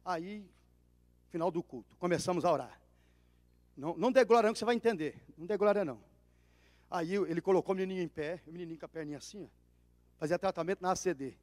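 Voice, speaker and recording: A man with a Brazilian Portuguese accent preaching a sermon as pastor, telling a story with dramatic swings between loud cries and hushed asides. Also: high-pitched, quick pace, long pauses. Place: church. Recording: reverberant church hall.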